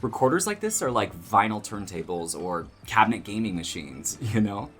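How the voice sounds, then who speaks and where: A performer playing a gentle, exasperated young barista cryptid in an audio drama, with mild exclamations and a wry, chatty manner. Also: low-pitched, sing-song, moderate pace, soft background music.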